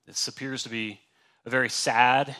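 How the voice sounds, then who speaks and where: Bright-voiced man preaching conversationally. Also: medium pitch, steady tone, moderate pace. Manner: conversational, emphatic, acts out quotes. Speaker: pastor. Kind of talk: sermon.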